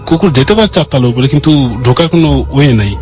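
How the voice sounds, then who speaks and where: Man, radio caller, mid-pitched voice, earnest halting storytelling, faint music, radio broadcast sound. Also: lively intonation, a little mellow. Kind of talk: telling a personal ghost story on phone-in radio.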